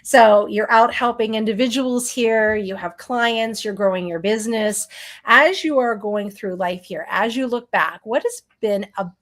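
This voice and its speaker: A woman's voice: on the high side, unhurried. A woman hosting a casual podcast interview, affirming her guest and adding "you know" and "right?" often. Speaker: podcast host.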